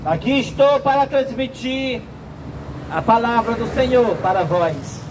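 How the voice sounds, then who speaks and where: A Brazilian man preaching a prophetic sermon in a solemn, halting way, in short phrases. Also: very high-pitched, expressive, noisy background.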